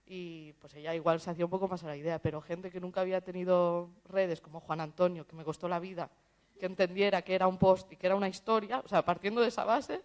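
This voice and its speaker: A woman's voice: lowish voice, steady tone, fast talker, darkish tone. A woman chats on a festival stage panel about her work running social media. She talks easily and tells anecdotes, slipping into the voices of the people she quotes. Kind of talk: casual panel conversation.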